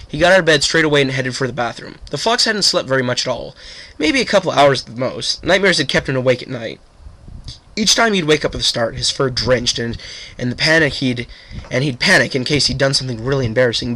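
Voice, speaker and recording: A man's voice: medium pitch, bright, forceful tone, rough recording. A man with a cold reading a fan story aloud in a casual way, sometimes stumbling over words. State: sick with a cold. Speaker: fanfiction reader.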